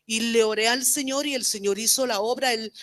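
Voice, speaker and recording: A middle-aged woman preaching a personal testimony at a women's church camp, earnest, moving between loud fervent prayer and hushed quiet. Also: a little high, fairly even intonation, brisk.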